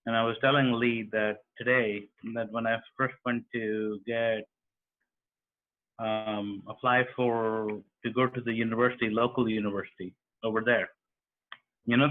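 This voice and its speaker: A man's voice: mid-range voice, fairly even intonation, measured pace. Guy telling a story on a call, sounds like a phone. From Pakistan. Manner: conversational, storytelling. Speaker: participant. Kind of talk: sharing a personal story. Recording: tinny call audio.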